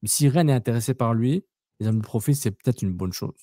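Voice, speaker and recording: A man's voice: medium pitch, quick pace, warm tone, no room sound, studio quality. A man co-hosting a casual soccer podcast, talking bluntly, repeating himself and slipping in English words. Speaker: podcast co-host.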